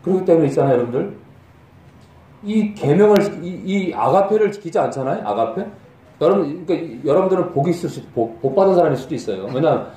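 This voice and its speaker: A middle-aged male pastor giving a sermon in a conversational, animated way that rises to emphatic peaks. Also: fairly high pitch, far from the mic. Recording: echoey room from off mic.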